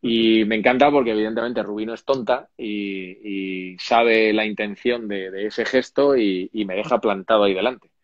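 A man's voice: lowish voice, moderate pace, no echo, lo-fi sound. A man in his thirties from Madrid with a Castilian Spanish accent, an actor chatting animatedly as an interview guest over a video call. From Madrid, Spain. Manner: animated, chatty, with many restarts. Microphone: video call, laptop or phone mic.

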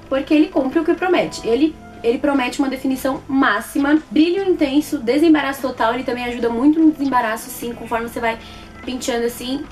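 In a small, plain indoor room, a woman from Brazil in her twenties reviews beauty products, chatting casually to camera. Her high voice is expressive, she repeats words to drive points home, and a light music bed sits underneath.

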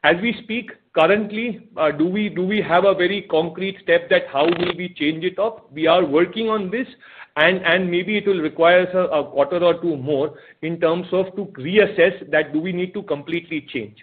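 A man with an Indian accent answering questions as an executive on an earnings call, speaking haltingly and repeating his phrases. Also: high-pitched, slight background noise. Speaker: company executive answering analysts. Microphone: telephone conference call. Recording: narrow, tinny phone conference line.

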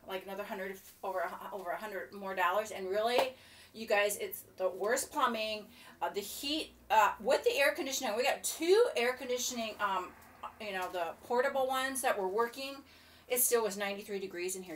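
An older woman vlogger chats casually to camera in her home kitchen, rambling and complaining in a mid-range, fairly bright voice. A laptop webcam a few feet away captures her. The distant laptop mic picks up faint room noise.

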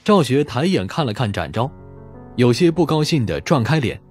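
A man's voice: mid-range voice, sing-song, moderate pace, a little mellow. A man narrating a scripted crime audiobook. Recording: music playing behind the voice. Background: background music.

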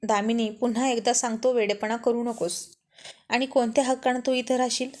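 A woman's voice: a little high, flat delivery, moderate pace, darkish tone, lightly acted. A woman voicing a stern, irritable young man who scolds in an exasperated way, in a told love story. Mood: scolding.

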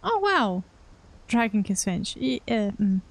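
A young woman with a mid-range, sing-song voice streams a game at a slow pace. She muses aloud in casual let's-play commentary, full of murmurs and offhand reactions.

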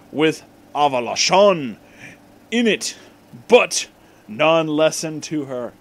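A high-voiced man hosts a comedic read-aloud of amateur fiction. He takes it slowly, pronouncing every misspelling exactly as written and adding amused asides. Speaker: host reading fan fiction aloud.

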